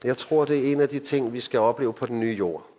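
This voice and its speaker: A man from Denmark preaching a sermon, moving between emphatic lines and hushed, solemn ones. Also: medium pitch. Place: mission hall. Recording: hall reverb.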